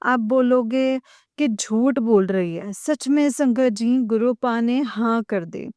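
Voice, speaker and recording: Through tears, a woman recounts her experience as a devotee, repeatedly and emotionally speaking to the congregation. Her voice is on the high side and warm, and she takes it slowly; the recording is dry.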